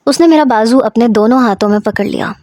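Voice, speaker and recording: A woman narrating a scripted story in a steady, even storytelling manner. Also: a little high, no room sound.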